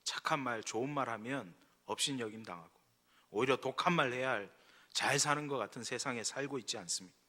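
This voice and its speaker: A middle-aged male pastor preaches in a church, his bright, forceful voice trailing a long hall reverb. He tells stories in a relaxed, conversational way, then builds to emphatic exhortation. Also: medium pitch, brisk. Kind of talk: sermon. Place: church sanctuary.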